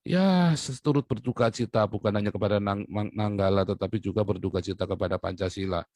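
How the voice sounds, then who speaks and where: A man delivering a heated solo monologue. His voice leaps up sharply on stressed points, then drops to low, quiet asides. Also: dry recording, studio quality. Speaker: online commentator.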